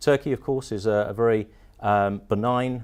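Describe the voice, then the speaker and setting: With a British accent, a man speaks in fairly even intonation. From UK. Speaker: mining company director and geologist. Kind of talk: investor presentation. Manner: hesitant, many fillers.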